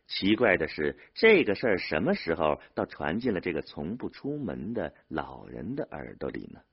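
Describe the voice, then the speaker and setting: A man narrating a novel as an expressive audiobook reader. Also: sits low, moderate pace, vocal fry, breathy edge. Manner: expressive storyteller. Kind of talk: dramatic audiobook reading. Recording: dull lo-fi audio.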